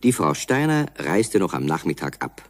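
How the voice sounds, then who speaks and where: A man's voice: low-pitched, big pitch swings, moderate pace, no room sound, clean studio sound. A man narrating a children's story as a scripted storyteller.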